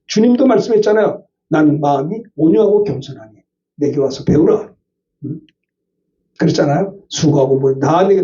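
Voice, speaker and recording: A man's voice: high voice, mellow, recorded from a distance, dull audio. An older male pastor preaching a Sunday sermon, emphatic, often turning to the congregation with short questions.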